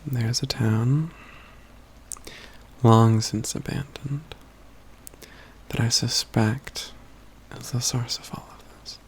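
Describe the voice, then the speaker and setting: A man playing an aloof, proud mage companion in a soft, intimate ASMR roleplay, with formal, measured phrasing and dry teasing. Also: mid-range voice, steady tone, slight background noise. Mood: grave, explanatory. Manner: formal, measured, haughty phrasing with hushed stretches.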